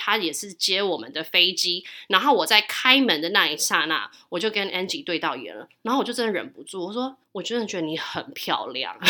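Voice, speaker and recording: A woman's medium-pitched voice carries a bright, sharp tone and lively intonation. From Taiwan. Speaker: podcast host. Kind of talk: casual chat. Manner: animated.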